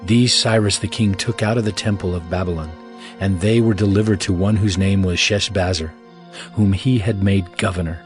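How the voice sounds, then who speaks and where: An actor voicing the Jewish elders as they answer the officials in a dramatized Bible recording, speaking in a steady, solemn way. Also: male voice, deep voice, normal speed, faint music behind, lightly acted. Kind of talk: dramatized Bible audio reading.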